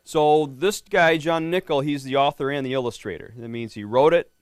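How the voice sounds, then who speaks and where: A man's voice: a little high, normal speed, clean tone, no echo. A middle-aged man, a police lieutenant, reading a picture book to a class of schoolchildren in a friendly way and often quizzing them. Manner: friendly, quizzing the kids, often asks "right?".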